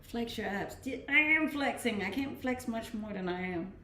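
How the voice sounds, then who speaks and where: A woman's voice: fairly high pitch, moderate pace, slight background noise. A young woman from Denmark, a native Danish speaker, casually answering chat questions on a live stream, reading each question aloud before replying. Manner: relaxed, reads questions aloud then answers. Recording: roomy, distant-mic home stream.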